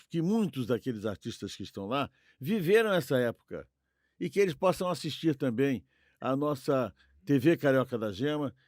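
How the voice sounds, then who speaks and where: A man's voice: medium pitch, a little mellow, no echo, studio quality. A Brazilian man co-hosting informally, addressing people in a courteous, wordy way. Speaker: co-host. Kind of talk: informal hosting, audience appeal.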